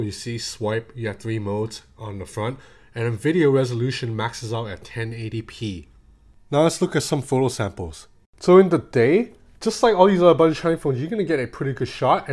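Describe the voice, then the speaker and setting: A man's voice: medium pitch, a little mellow. A man in his thirties giving a casual, conversational hands-on tech review in an informal way.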